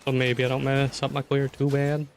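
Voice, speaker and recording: A young man giving chatty, offhand commentary while he plays a game, swearing now and then and clearing a throat that is going hoarse. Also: mid-range voice, completely flat delivery, normal speed, a little hiss or hum. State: losing his voice, clearing throat. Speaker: streamer. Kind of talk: casual gameplay commentary.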